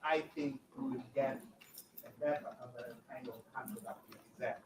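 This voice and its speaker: A middle-aged man from Tanzania, whose first language is Kinyaturu, giving a public talk and answering audience questions, often pausing and repeating words as he goes. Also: medium pitch, fairly even intonation, background noise. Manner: halting, with many repeats and "uh" fillers. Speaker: guest speaker. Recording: echoey room, recorded from a distance.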